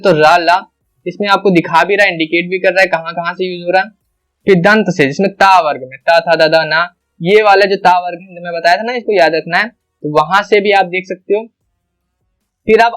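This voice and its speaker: A man with a high voice teaches an exam-prep grammar class. He explains each point step by step and says every example sound aloud, often twice. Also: fairly bright tone.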